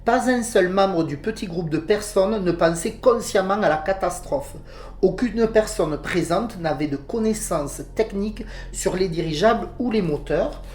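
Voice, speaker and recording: Recorded in a roomy home podcast setup, this woman co-hosts the show and reads a report aloud, her southern French accent clear. Her mid-range voice is slightly mellow and unhurried, and in unscripted moments she falters with fillers.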